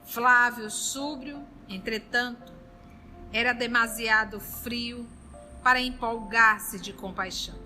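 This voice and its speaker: A woman leading a study group, chatting warmly and then reading a novel aloud. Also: on the high side, takes it slowly, soft background music. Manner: warm, chatty and lively between passages.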